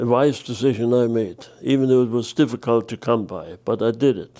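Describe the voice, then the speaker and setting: A man with a German accent, medium in pitch, dark and mellow in tone, with fairly even intonation. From Germany. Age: 80s+. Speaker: Korean War veteran, former paratrooper. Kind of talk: interview answer.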